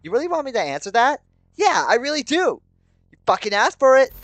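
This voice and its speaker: A man's voice: on the high side, expressive, racing, pushed and bright, dry recording, pitched above the performer's own voice. Man playing combative, sweary teens at boiling point. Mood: angry. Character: hot-tempered, bickering inner voices of troubled teens. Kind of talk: dramatic dialogue reading.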